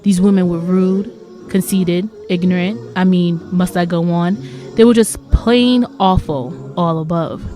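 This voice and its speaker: A woman playing a sassy storyteller telling a fairy tale in a drawn-out, emphatic, judgmental way. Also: lowish voice, steady tone, warm tone, soft background music, lightly acted. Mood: disdainful.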